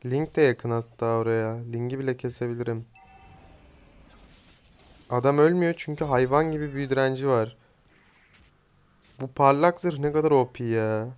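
Young male gaming streamer, smooth clear voice, mid pitch, chatty and teasing play-by-play. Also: moderate pace, long pauses, darkish tone. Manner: chatty, teasing, swears casually at teammates. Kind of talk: casual live gameplay commentary.

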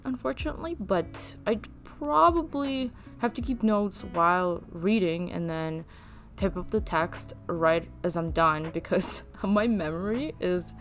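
A young woman whose first language is Russian, rambling chattily in a casual voice-over while she draws, with fillers and laughs. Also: fairly low pitch. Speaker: art channel host.

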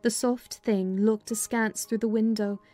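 A woman reading as an audiobook narrator, with measured, dramatized storytelling of literary prose. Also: a little high, steady tone, dark tone, faint music behind.

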